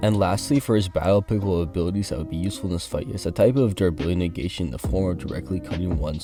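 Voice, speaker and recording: A man's very deep, low voice with lively intonation, music in the background. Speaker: anime powerscaling commentator. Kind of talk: versus debate commentary video.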